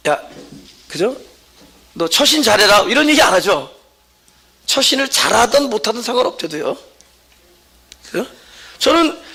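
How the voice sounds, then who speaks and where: A male pastor delivers a Sunday sermon in a high, bright voice with a gravelly edge. His delivery swings widely in pitch, and he keeps checking in with the congregation. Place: church worship service.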